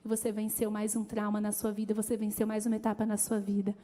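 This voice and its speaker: A woman pastor preaching a sermon in an animated, conversational way, calling out to the congregation. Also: medium pitch, quick pace. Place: church. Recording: long church hall reverb.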